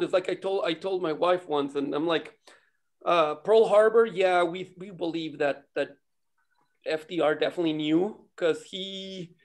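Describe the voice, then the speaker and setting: Higher-pitched man from Costa Rica, chatting. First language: Spanish. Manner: animated, swears freely, digressive. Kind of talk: casual chat, storytelling.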